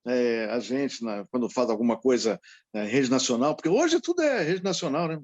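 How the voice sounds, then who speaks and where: A man with a Carioca accent, a radio announcer, talking in a relaxed panel chat and repeating phrases as he thinks. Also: medium pitch, moderate pace, dull audio. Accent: Carioca Portuguese.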